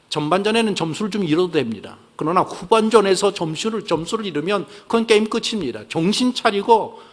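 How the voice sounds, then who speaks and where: A man delivers a sermon from the pulpit in a fairly high-pitched voice. He poses rhetorical questions and has the congregation repeat short prayers after him. His delivery moves between quiet passages and emphatic pushes. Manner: preaching with call-and-response prompts to the congregation. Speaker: pastor.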